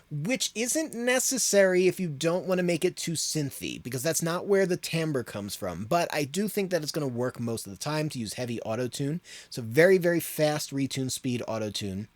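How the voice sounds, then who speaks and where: A man's voice: fairly high pitch, lively intonation, moderate pace, no room sound. A man hosting an audio tutorial, explaining in an informal, rambling way as he thinks aloud. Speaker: audio production tutorial host.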